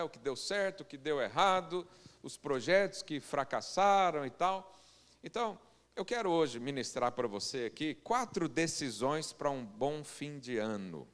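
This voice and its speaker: A man from Goiânia with a Brazilian Portuguese accent, preaching a sermon as pastor and slowing into loud, emphatic scripture readings. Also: fairly high pitch, clean tone. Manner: swells loud and slow on scripture quotes. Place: church hall. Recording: long church-hall reverb.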